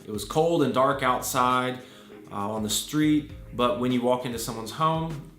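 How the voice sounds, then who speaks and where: American male teacher, 30s, earnest and unscripted, mid pitch, echoey room with faint music. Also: measured pace, fairly bright tone. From Virginia, USA. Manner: earnest, thoughtful, with frequent fillers and restarts. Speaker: English teacher. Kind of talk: unscripted interview answers.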